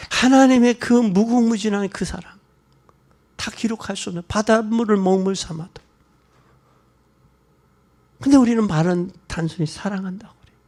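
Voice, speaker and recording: A male pastor preaching a sermon, swinging from loud exclamations to hushed whispers and asking the congregation rhetorical questions. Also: on the high side. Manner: casual spoken style mixing polite and plain speech.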